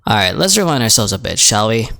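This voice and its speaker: This is an androgynous-sounding commentator delivering a casual scripted video essay. The pitch sits mid-range and swings around a lot, with a gravelly edge. The delivery is crude, slangy and joking, with plenty of swearing, over clearly audible music. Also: very animated, fast talker, sharp tone. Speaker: anime and manga video commentator.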